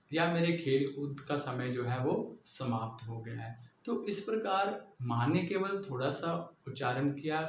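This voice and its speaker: A man from Punjab with a Punjabi accent gives a patient classroom lecture, explaining step by step and often checking that his listeners follow. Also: medium pitch. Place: classroom with a board. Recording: echoey room, faint background noise.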